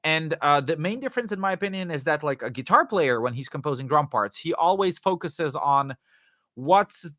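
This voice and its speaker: A man hosting a live Q&A, answering viewer questions in a loose, rambling way with fillers and restarts, his voice going hoarse. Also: on the high side, animated, moderate pace, fairly bright tone, no echo, clean studio sound. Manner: rambling, many fillers and restarts, jokey asides. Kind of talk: casual live-stream Q&A, reading and answering chat questions.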